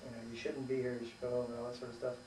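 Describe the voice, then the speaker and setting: Flat, very fast, and dark-toned at a medium pitch, this American interviewee from the United States talks casually about his life. He hesitates and rambles, trails off a lot, and swears without much thought. The recording is echoey and roomy, with the mic set far back and some faint noise.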